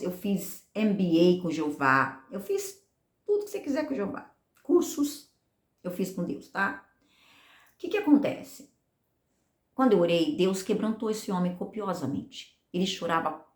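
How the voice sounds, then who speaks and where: Woman pastor, animated storytelling sermon, very expressive pitch, roomy echo. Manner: animated storytelling, acting out dialogue. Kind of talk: sermon testimony.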